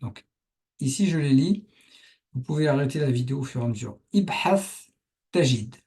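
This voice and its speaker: A man's voice: medium pitch, a little fast, warm tone, husky. A man teaching the Arabic alphabet in French, patiently explaining as he writes out examples. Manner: patient, thinks aloud while writing. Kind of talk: explaining a writing lesson.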